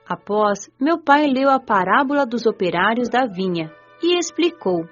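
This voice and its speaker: A woman's voice: fairly high pitch, lively intonation, a little slow. A woman playing a young daughter who narrates her father's teachings in a radio drama. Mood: recounting. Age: young adult. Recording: dull lo-fi audio with music behind. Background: music.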